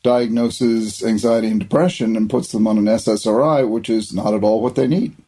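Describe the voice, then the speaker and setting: A man's voice: fairly low pitch, fairly even intonation, moderate pace, mellow, slightly rough. A middle-aged man hosting a podcast interview, agreeing often and restarting his sentences. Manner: affirming, frequent agreement, stammering restarts. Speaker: podcast host.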